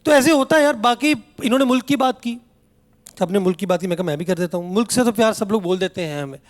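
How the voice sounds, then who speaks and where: A young man doing stand-up on a comedy stage, and his voice sits high for a man. He tells family stories with animated delivery and briefly acts out his parents and relatives as he goes. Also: fast. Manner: animated storytelling, acting out family members. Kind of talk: stand-up routine. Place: comedy stage before a live audience.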